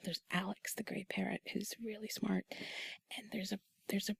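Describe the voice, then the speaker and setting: A woman murmurs an ASMR role-play in an intimate, comforting tone. Her voice is husky and breathy, with a gravelly creak at the edges. She talks in an unhurried, conversational way, very close and dry on the microphone. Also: medium pitch, level tone, dry recording. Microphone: close microphone, dry sound.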